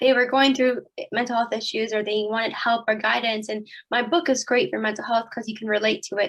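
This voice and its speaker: A woman talks at a fairly quick pace with a plain, everyday voice. Her pitch is fairly high, and her intonation fairly even. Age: 20s. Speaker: author and mental health speaker. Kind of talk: interview answer.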